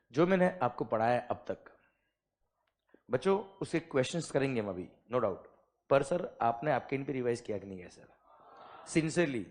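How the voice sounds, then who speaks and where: A middle-aged man teaching a classroom of students, lively and constantly checking that they follow. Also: medium pitch. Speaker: tax lecturer. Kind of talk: classroom lecture in Hindi-English mix.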